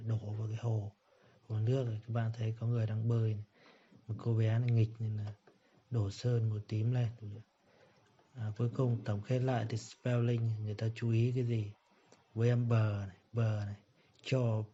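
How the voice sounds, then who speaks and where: A man teaching English pronunciation, repeating each word slowly before explaining it. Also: medium pitch, mellow, slightly rough. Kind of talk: pronunciation lesson. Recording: dull lo-fi recording.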